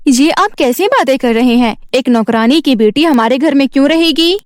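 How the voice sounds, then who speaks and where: A woman's voice: high voice, lively intonation, normal speed, no room sound, clean studio sound. A woman voicing a cold, spiteful, wealthy aunt in a children's cartoon story, scornful and bossy.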